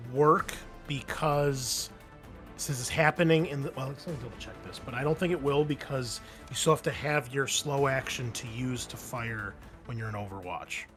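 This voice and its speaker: A man's voice: mid-range voice, fairly bright tone. A man acts as game master in a casual tabletop roleplaying session. He describes the action and talks players through the rules in a mid-range voice, with music playing behind him.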